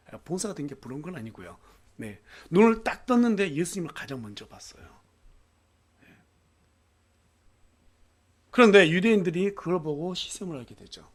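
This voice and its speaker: High-voiced Korean pastor preaching earnestly. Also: male voice. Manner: earnest preaching with frequent affirming fillers and rhetorical questions. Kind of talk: sermon. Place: church.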